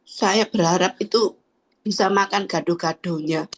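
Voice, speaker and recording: A woman's voice: lowish voice, measured pace, rough recording. A woman giving a personal faith testimony in church, speaking in hesitant, trailing phrases with frequent fillers.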